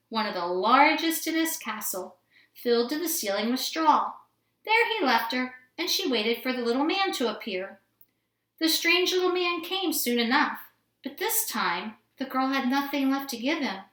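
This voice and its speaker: Female children's storyteller, fairly high voice, expressive read-aloud, recorded in an echoey room. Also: moderate pace. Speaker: storybook reader. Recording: roomy indoor echo.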